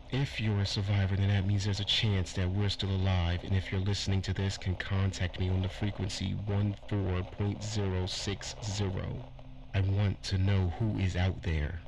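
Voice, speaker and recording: An actor playing a weary, earnest survivor recording a grave, halting log in a post-apocalyptic audio drama. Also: male voice, sits low. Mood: solemn, hopeful. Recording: noisy ambience behind the voice.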